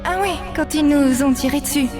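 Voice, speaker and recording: A woman's voice: sits high, normal speed, natural voice. A woman playing a naive, kind young woman thawed from cryosleep, narrating wryly in an audio drama. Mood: sardonic, dramatic. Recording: music under the voice.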